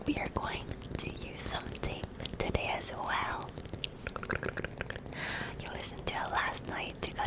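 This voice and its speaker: A woman hosting casual ASMR, whispering gently to her listeners. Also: low-quality recording. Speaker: ASMR streamer and host. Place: dimly lit room indoors.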